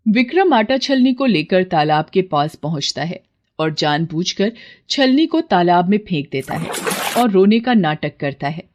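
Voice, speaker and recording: A woman narrating a children's cartoon story in a calm, even, scripted way. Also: lowish voice, measured pace.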